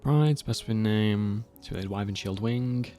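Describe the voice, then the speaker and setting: A man casually commenting on a video game as he plays, reacting in a relaxed, amused way. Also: fairly low pitch, measured pace. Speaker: streamer. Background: game music.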